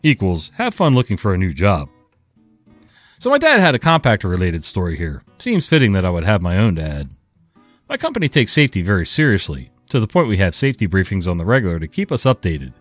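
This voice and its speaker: Lively low-voiced male story reader. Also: fast, dry recording, faint music behind. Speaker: story narrator. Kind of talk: reading online stories aloud with commentary.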